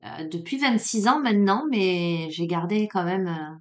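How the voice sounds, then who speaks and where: Slow, unhurried woman with a southern French accent. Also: on the low side. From Marseille, France. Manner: hesitant, many fillers, drowsy and unhurried. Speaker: card reader. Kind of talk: casual oracle card reading.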